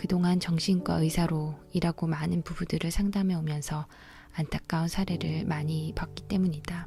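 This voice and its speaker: Over music in the background, a woman with a fairly low pitch speaks at a moderate pace in a calm, soothing tone with fairly even intonation. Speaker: book reader, audiobook narrator. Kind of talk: book reading, essay narration with music. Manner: calm, soothing, ASMR-like.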